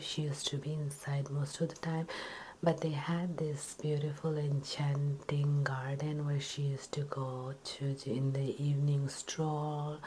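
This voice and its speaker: A woman telling a story in ASMR style, in a breathy whisper, halting between short phrases. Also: low voice, dark tone, slight background noise, poor audio.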